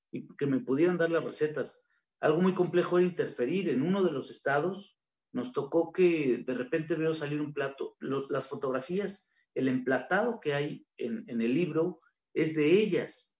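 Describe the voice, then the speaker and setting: Mexican man, lively colloquial lecturer, slightly high voice, dull lo-fi recording. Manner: colloquial, animated, acts out quoted voices. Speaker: conference speaker, gastronomy researcher. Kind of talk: informal conference talk.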